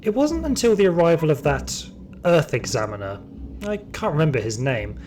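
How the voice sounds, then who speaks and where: A man playing a sadistic, power-hungry security guard, narrating his story in an audio drama with deliberate menace. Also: on the high side, big pitch swings, darkish tone, a little hiss or hum. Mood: brooding recounting. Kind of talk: scripted first-person audio drama monologue. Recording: music behind the voice.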